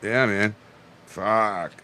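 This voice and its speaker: A man's voice: fairly low pitch, extremely slow, bright, forceful tone, slight background noise. A man in his forties, a podcast guest in casual chat, rambling with restarts and profanity. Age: 40s.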